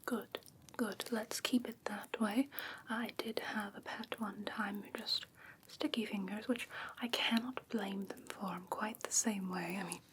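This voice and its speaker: A woman playing a curious, haughty fae creature in an ASMR fantasy roleplay, whispering softly in a hesitant, musing, gently condescending way. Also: medium pitch, fairly even intonation, unhurried, slight background noise, natural voice, low-quality recording. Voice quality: soft breathy whisper.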